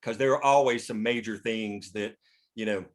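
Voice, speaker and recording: Running a table read of his script, a screenwriter rambles through his reasoning in casual, emphatic discussion. His voice is on the low side, with fairly even intonation and a normal speed.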